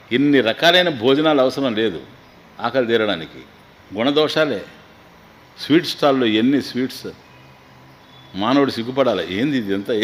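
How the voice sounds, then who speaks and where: A man giving a scriptural discourse as a swami. He chants Sanskrit lines slowly, then explains them quickly with humor. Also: medium pitch.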